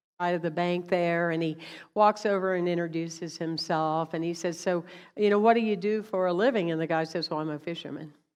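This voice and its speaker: An unremarkable speaking voice with an American accent and fairly even intonation comes through against a quiet background. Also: woman. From South Carolina. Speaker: minister. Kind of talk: sermon.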